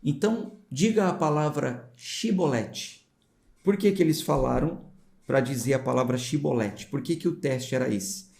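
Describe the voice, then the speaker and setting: A pastor from São Paulo reads scripture and talks it through in a relaxed, chatty way, turning aside to address his listeners. He has a São Paulo accent and a dark, mellow tone. His pitch sits in an ordinary middle range for a man. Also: moderate pace, vocal fry. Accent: São Paulo Portuguese. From São Paulo, Brazil. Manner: conversational, explains with informal asides to viewers. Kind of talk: Bible reading with explanatory commentary.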